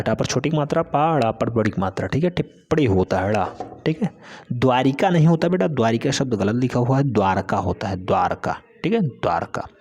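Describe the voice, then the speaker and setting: A man's voice: medium pitch, darkish tone. A male teacher giving an exam-prep spelling lesson, repeating each word several times in an emphatic, drill-like way and calling his students "beta".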